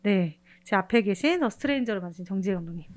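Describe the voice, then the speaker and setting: A woman's voice: mid-range voice, expressive, fast talker, a little mellow. A woman hosting a casual chat show, her speech slightly muffled by a face mask. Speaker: podcast host.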